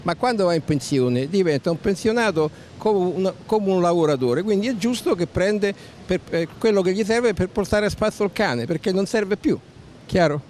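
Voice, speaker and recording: A man's voice: animated, moderate pace, darkish tone. A man in his sixties giving a blunt, colloquial opinion in a street interview. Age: 60s. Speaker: interviewed passer-by. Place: outdoors by city shopfronts. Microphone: handheld interview microphone. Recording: faint street rumble.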